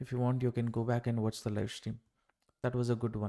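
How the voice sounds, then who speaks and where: A man with a South Indian accent talks at a very fast pace in a medium-pitched voice, dark and mellow in tone, with monotone, flat intonation. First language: Kannada or Tamil. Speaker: crypto trading streamer. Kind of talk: live trading stream commentary. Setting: live stream. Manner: hesitant, many fillers.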